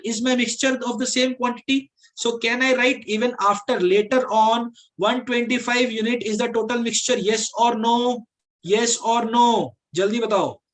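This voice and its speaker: A man's voice: very high-pitched, a bit bright, rough recording. South Asian male teacher explaining step by step. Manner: repetitive, checks understanding with questions; mixes English with Hindi. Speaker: aptitude teacher. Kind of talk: classroom lesson, explaining step by step.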